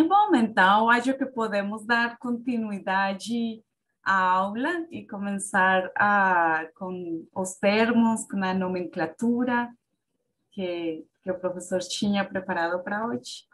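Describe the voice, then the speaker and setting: A woman's voice: mid-range voice, fairly bright tone. A woman from Colombia with a Colombian Spanish accent, a native Spanish speaker, introducing herself hesitantly to a class as a doctoral teaching assistant. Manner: hesitant, with many fillers.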